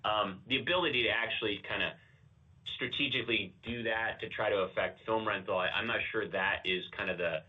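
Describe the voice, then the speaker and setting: A man with a very deep voice speaks as an executive taking analyst questions. He explains things in a measured, qualified way. The conference call audio is slightly dull and muffled. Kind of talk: earnings call answers.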